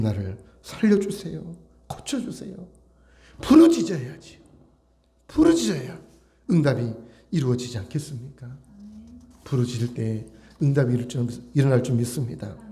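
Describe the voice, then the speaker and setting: A man's voice: medium pitch, big pitch swings, moderate pace, dark tone. A male pastor preaching a sermon, emphatic and full of rhetorical questions to his congregation.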